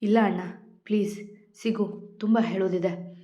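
An earnest younger sister insists, gently pleading, that her brother meet her, put on by a woman narrating a storybook. The voice is mid-pitched and the recording slightly dull. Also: fairly even intonation, a little slow, lightly acted. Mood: insistent.

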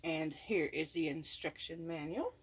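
A woman with a low-pitched voice and measured pace reviews a tool she's unboxing in her home workshop, talking from behind the camera. She's chatty and upbeat, repeating her praise, over a slight hiss or hum.

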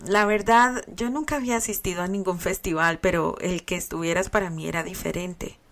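A woman's voice: fairly low pitch, steady tone, a little fast, fairly bright tone. A woman reading a fan story aloud and voicing a proud, teasing young man in tender confessions.

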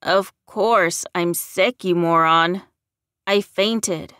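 Audiobook role: bitter, combative young werewolf man , read by a woman, unhurried, dry close sound. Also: on the low side, fairly bright tone, clean tone, no room sound. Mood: irritated. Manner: combative, demanding, sarcastic. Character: angry, sick, accusing young man turned werewolf.

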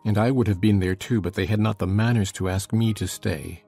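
A man playing a rebellious, scornful orphan boy telling his tale in a dramatized audiobook, with a husky voice. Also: lowish voice, fairly even intonation, brisk, mellow, faint music behind. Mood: sullen. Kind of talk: dramatized audiobook character reading.

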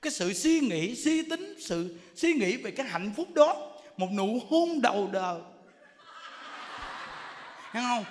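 A Buddhist monk, giving a jokey, lively storytelling sermon in which he acts out characters. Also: very high voice, measured pace, pauses often. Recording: echoey hall, faint ambience.

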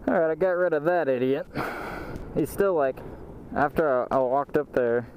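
A man's voice: fairly high pitch, normal speed, rough recording. A young American man telling stories casually as he rides a motorcycle outdoors. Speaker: motorcycle vlogger. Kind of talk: casual storytelling chat while riding. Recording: loud vehicle and wind noise outdoors.

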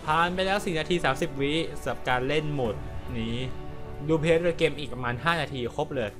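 A man streaming a game live, chatting to his viewers and breaking into excited yelps as he plays. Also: a little high, fairly quick, music in the background. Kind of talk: live gameplay commentary.

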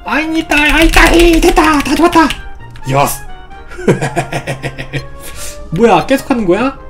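Woman gamer, bright high voice, bubbly let's-play commentary with sound effects, faint music under it. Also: animated, takes it slowly. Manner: playful, exclamatory, lots of sound effects. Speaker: gaming YouTuber.

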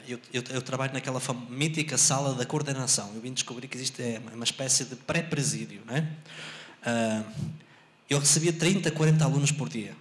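A man's voice: mid-range voice, a bit bright. Expansive European Portuguese teacher, 30s, handheld mic, echoey hall; keeps checking he's understood. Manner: expansive, explanatory, asks if understood. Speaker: invited speaker, math teacher. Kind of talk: lecture answer to audience. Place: university auditorium. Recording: roomy auditorium sound.

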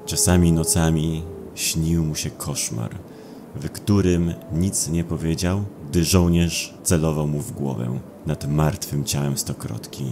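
A man narrating a dark audio drama in a brooding, dramatic way with deliberate pauses. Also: extremely low pitch, fairly even intonation, background noise. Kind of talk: dramatic scripted horror narration.

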